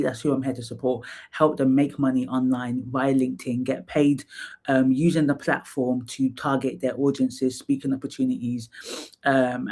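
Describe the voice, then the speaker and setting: A woman's voice: a bass voice, warm tone. Chatty woman hosting a livestream. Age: 30s. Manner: chatty, laughs easily, lots of fillers and repeats. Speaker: livestream host and psychotherapist. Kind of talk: casual livestream chat.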